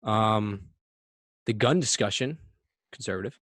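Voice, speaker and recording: A man's voice: lowish voice, unhurried, a bit bright, no echo. Dry-voiced joking male podcast host. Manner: joking, profane, rambling. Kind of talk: casual podcast chat.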